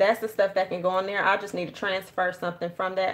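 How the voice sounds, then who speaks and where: In a Georgia accent, a woman talks at a medium pitch with a bright, sharp tone. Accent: Georgia Southern. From Georgia, US (east side). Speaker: planner and journaling vlogger. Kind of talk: casual live-stream chat while planning. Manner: casual, conversational.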